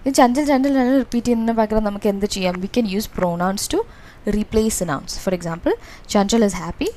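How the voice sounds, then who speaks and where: A woman's voice: a little high, unhurried, warm tone, a little hiss or hum. A woman with a Malayali accent coaching students through exam revision, explaining in a mix of Malayalam and English with many fillers. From Kerala, India.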